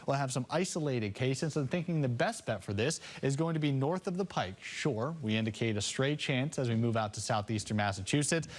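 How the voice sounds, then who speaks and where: A male weather presenter on a morning news show, his voice sitting at an ordinary pitch. He talks through the forecast in an easy, conversational way. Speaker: TV meteorologist.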